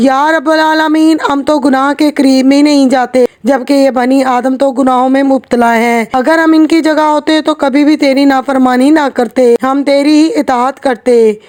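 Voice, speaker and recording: A woman speaks at a high pitch with very even loudness over noticeable background noise. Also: fairly even intonation. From Pakistan. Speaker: voice over artist. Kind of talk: religious story narration.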